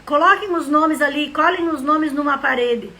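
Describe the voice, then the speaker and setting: Speaking at a normal speed, a southern Brazilian woman from Rio Grande do Sul has a high, gravelly voice with a sharp edge, and there's a little hiss or hum. She hosts a live stream, welcomes viewers by name, and slips into thoughtful, rambling reflection; she belongs to a literary academy.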